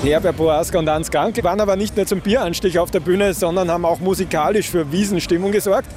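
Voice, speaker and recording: An Austrian man reports from an event for radio. His voice is fairly high, with loud music running behind his narration and questions. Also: quick pace.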